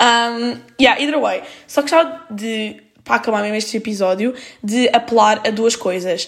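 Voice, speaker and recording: Animated in tone, the voice shows ordinary pitch variation. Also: woman. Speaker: podcast host. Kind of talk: casual monologue.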